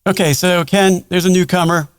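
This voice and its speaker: A man's voice: sits high, fairly even intonation, moderate pace, clear, resonant tone, no echo, studio quality. A man chatting casually as a podcast host, informal and encouraging, rambling along with some animation. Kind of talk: casual chat.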